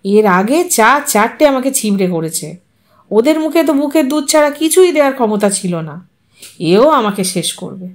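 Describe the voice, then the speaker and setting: A woman's voice: on the high side, sing-song, moderate pace. A woman voicing a weary, bitter poor wet nurse.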